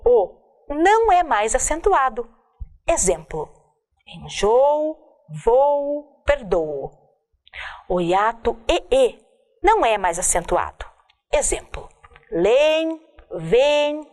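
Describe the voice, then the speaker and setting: A woman narrates a recorded lesson at an unhurried pace, setting each example word apart. Her voice sits a little high and swings widely in pitch as she reads. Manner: slow, deliberate reading of word lists. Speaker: teacher. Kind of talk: scripted lecture narration.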